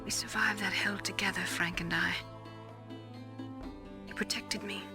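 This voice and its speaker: A woman's voice: mid-range voice, steady tone, creaky. Wounded, bitter female scientist over music. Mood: bitter, grieving. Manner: halting, emotional, intense. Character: wounded, bitter female scientist confessing her secret past. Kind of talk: dramatic video game voice acting. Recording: dramatic music behind the voice.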